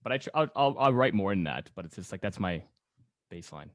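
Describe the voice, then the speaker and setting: A man with a slightly low voice hosts a casual podcast interview. He talks quickly and chattily. The sound is dry, without room echo. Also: animated. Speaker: podcast host.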